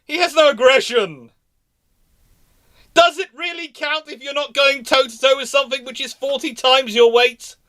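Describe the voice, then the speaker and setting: A man's voice: extremely high pitch, normal speed, pushed and bright. A man hosting a casual live history discussion, telling stories emphatically in a rambling, self-correcting way. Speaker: livestream host and naval historian.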